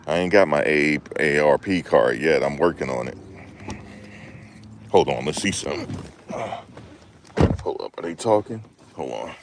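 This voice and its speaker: A man's voice: extremely low pitch, expressive, a little slow, pauses often, background noise. A man hosting a livestream, chatting loosely with his viewers, joking and rambling as he goes. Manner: joking, rambling, talks back to chat. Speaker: livestream host. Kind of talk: casual chat with live viewers.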